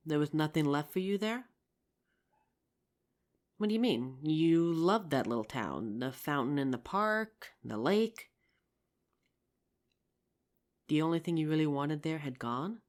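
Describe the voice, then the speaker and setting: A performer playing a regretful, tender zombie apocalypse survivor in an intimate audio roleplay, speaking earnestly with hesitant pauses. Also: medium pitch, lively intonation, lightly acted. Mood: wistful, questioning. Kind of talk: ASMR audio roleplay, intimate scripted drama.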